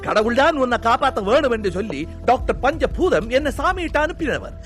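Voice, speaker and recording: A jittery, timid film patient with a Sri Lankan Tamil accent, his voice sitting high as he rattles off rhyming lists of everything that scares him. Faint music runs underneath. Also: big pitch swings, fairly bright tone, exaggerated voice. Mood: anxious listing. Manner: rapid rhyming list-like recitation, nervous. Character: timid middle-aged man afraid of everything. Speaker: patient describing his fears to a doctor. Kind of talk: film comedy acting.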